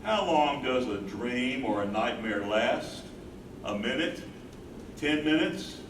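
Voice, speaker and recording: A man's voice: medium pitch, animated, slow pace. A man playing a devoted, reflective husband who cares for his wife, in a dramatic staged reading. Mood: haunted, reflective. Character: devoted husband and carer, loving, troubled, reflective. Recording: echoey distant stage recording, clear noise.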